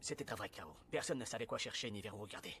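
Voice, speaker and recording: An actor playing a grim, haunted male witness who speaks in a slow, gravelly, hushed voice. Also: on the low side, animated, background noise. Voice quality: gravelly, whispered. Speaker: witness in a documentary-style film.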